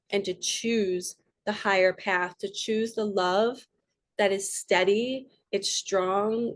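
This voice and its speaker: A woman giving a casual spiritual reading to her viewers in a chatty, earnest and rambling way, her voice a little froggy and nasal. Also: medium pitch. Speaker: spiritual coach and tarot reader.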